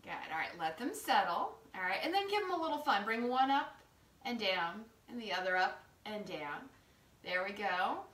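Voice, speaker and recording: A yoga instructor leads a guided class in her living room, giving playful, informal, encouraging step-by-step cues. Her medium-pitched voice is sing-song and fairly bright at a moderate pace, picked up by a distant camera mic across the room with a roomy home sound.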